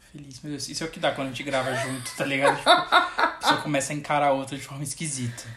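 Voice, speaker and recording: Amid noticeable background noise and audible room echo, a man talks at a very fast pace with hardly any pauses, flat monotone intonation, and big swings in loudness. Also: fairly high pitch for a man. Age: 20s. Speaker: podcast co-host. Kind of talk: casual chat. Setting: recording in the same room at home.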